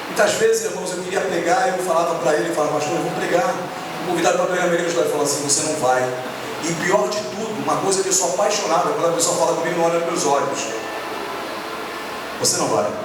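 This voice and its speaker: A middle-aged man with a Brazilian Portuguese accent preaching a sermon, telling stories animatedly and acting out dialogue. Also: on the high side. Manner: animated storytelling, acts out dialogue. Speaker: pastor. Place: church hall. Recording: echoey church hall, distant mic, noisy.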